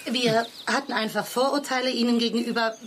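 An actress playing a remorseful neighbour in a German audio drama. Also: female voice, a little high, steady tone, fairly quick, fairly bright tone, slight background noise, natural voice. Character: remorseful female neighbour admitting prejudice.

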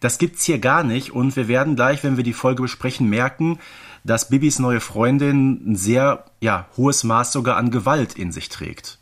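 A man's voice: mid-range voice, moderate pace, fairly bright tone. A man of about forty co-hosting a podcast, talking in a conversational, analytical way. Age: around 40. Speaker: podcast co-host.

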